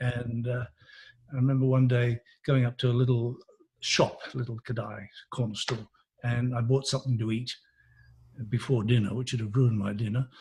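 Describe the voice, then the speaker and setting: At a moderate pace with long, frequent pauses, a man speaks in a somewhat breathy voice of medium pitch and monotone, flat intonation. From Malaysia. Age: 70s. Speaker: former Adventist minister. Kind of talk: interview testimony.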